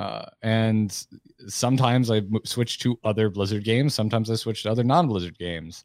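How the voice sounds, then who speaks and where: In a very clean recording with a silent background, a man with an unremarkable speaking voice talks at a fairly quick pace, with a medium pitch and ordinary pitch variation. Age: 30s. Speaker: podcast co-host. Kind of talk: casual chat.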